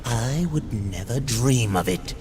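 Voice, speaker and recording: Slow, sly demon merchant. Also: male voice, medium pitch, expressive. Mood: cryptic. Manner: cryptic, slow, unctuous. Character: sly, scheming male demon merchant of forbidden artifacts. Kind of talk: video game cutscene acting. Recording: clear ambient noise behind.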